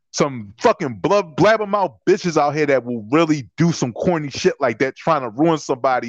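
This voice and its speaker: With a plain, everyday voice, a man at a fairly high pitch talks at a moderate pace with lively intonation, the sound dry and close with no echo. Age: 40s. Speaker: sports league commissioner and interview guest. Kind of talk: casual chat.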